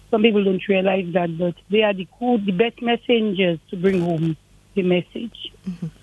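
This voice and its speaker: The speech moves at a moderate pace, and the sound is dry with no echo. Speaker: early childhood educator. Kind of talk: radio call-in. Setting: phone call. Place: studio.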